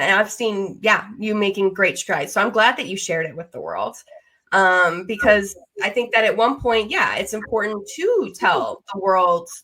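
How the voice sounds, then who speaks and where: Female podcast host, mid-pitched, conversational and supportive, informal interview delivery. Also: a bit bright. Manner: encouraging, supportive. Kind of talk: casual interview chat.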